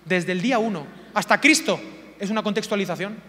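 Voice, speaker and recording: A man's voice: high-pitched, brisk, sharp tone, long reverb tail. A man preaching a sermon, emphatic and full of rhetorical questions, repeating key words for effect.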